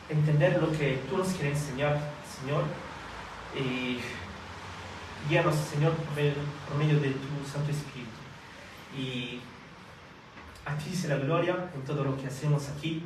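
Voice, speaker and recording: A man born in Italy leads a prayer and a sermon, halting often with fillers and restarts. His voice sits somewhat high. He is heard from a distance in a very echoey hall. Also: noisy background. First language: Italian or Filipino language. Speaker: preacher. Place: church hall.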